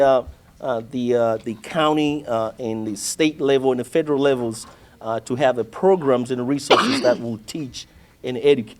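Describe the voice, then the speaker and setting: A middle-aged man from Tanzania speaking on a seminar panel, pausing often with many fillers and restarts. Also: mid-range voice, a little mellow. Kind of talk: panel discussion. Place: seminar hall.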